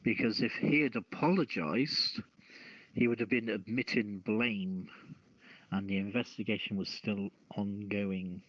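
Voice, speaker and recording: A man hosting a casual news podcast, reading stories and commenting in a halting, deliberate way. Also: lowish voice, a bit bright. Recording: dull, lo-fi streamed audio.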